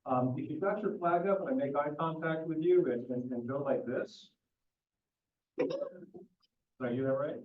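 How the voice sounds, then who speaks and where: A man acting as mayor, opening a public council meeting. He talks slowly and projects his voice without yelling, with no microphone in a meeting room. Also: on the high side. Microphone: no microphone, picked up from a distance. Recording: echoey, distant, dull sound.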